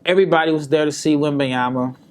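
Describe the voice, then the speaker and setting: A man hosting a solo basketball podcast, his voice a little hoarse from a sore throat, talking casually and restarting his words often. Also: on the high side, fairly even intonation, quick pace. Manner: conversational, repeats words and restarts. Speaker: podcast host and basketball scout. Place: hotel room or indoor spot in Las Vegas.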